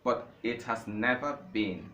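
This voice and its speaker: At a measured pace, this Nigerian man, a language teacher whose native tongue is Igbo, talks informally about learning languages in a medium-pitched, sharp-toned voice. His delivery is emphatic, with repeated phrases for emphasis and passionate climaxes; the room echoes and has faint background noise.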